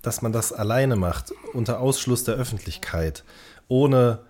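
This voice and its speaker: A man's voice: medium pitch, a little slow, a little mellow. A man, a podcast co-host talking casually and wordily, often rephrasing himself as he goes. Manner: wordy, self-correcting, circles around his point. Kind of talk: casual conversational podcast chat.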